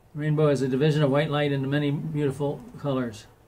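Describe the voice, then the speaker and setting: A man talks at a moderate pace in a fairly high pitch. His intonation is monotone and flat. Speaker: speech therapy patient with Parkinson's. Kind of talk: reading passage aloud, louder with light cue.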